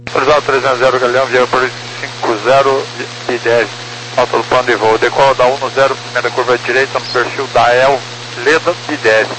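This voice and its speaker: Pilot guy reading back clearance, medium voice, noisy radio. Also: mid-range voice, little pitch movement, a little fast. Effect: radio transmission. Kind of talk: aviation radio readback. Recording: noisy aviation radio with hum.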